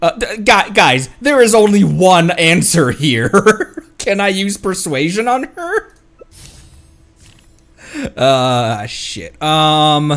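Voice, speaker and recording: Bright joking male game streamer. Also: on the high side, sing-song, slow pace. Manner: laughing, joking, swearing, reads game text aloud. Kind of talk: casual gaming commentary.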